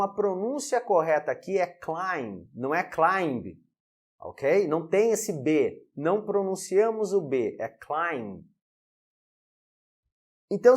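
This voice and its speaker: Slow, lively teacher. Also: male voice, high-pitched. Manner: repeats words slowly and drills pronunciation. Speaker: English teacher. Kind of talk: video lesson.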